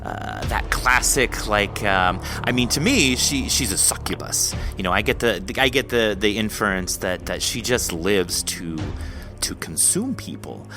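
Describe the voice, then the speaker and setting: A man's voice: lowish voice, lively intonation, measured pace, over music. A man hosting a podcast interview in a conversational, effusive and wordy manner.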